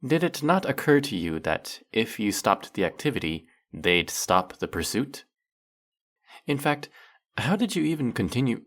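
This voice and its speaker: A man's voice: medium pitch, very animated, unhurried, fairly bright tone, full character voice. A man playing a teasing, sarcastic, flirtatious male faerie in a scripted roleplay monologue, scolding the listener with dry, theatrical playfulness. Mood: sarcastic, mocking.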